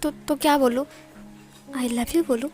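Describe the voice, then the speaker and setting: A woman voicing a playful young man in love, teasing and coaxing in her own high voice. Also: fairly even intonation, measured pace, a little mellow, faint music behind.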